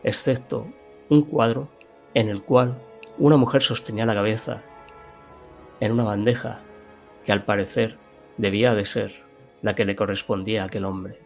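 A man's voice: on the low side, fairly even intonation, moderate pace, creaky, pauses often, soft background music. A man playing a sinister narrator of a macabre horror tale, dramatic and ominous. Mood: grim, dramatic.

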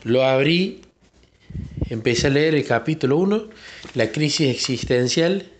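A man giving an earnest, reflective personal faith testimony, sometimes pausing to search for words. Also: medium pitch, animated, slight background noise. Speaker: church member giving testimony.

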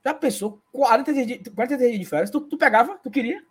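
A man's voice: very high voice, fast, slightly rough. A man, co-hosting a casual fan show and playfully reading viewer comments aloud. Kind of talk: casual live-stream chat.

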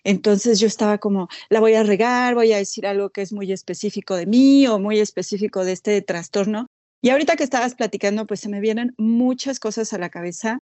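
Mexican woman, podcast guest, mid pitch, dry close sound, hesitant and thoughtful. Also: brisk, mellow, no echo. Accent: Mexican Spanish. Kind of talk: casual personal storytelling.

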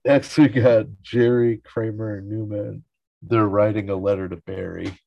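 A man's voice: on the low side, steady tone, normal speed, gravelly, highs cut off. A man casually recapping a sitcom episode in a loose, chuckling way with lots of fillers.

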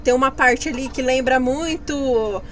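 A woman co-hosting a casual livestream in Brazilian Portuguese, talkative and quick to giggle. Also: sits high. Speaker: co-host. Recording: stream audio with clear music behind.

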